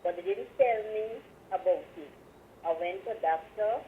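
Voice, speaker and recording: A woman's voice: mid-range voice, sing-song. Woman caller over the phone. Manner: halting, broken phrasing. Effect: heard over the phone. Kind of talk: call-in radio health question. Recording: tinny phone line with faint noise.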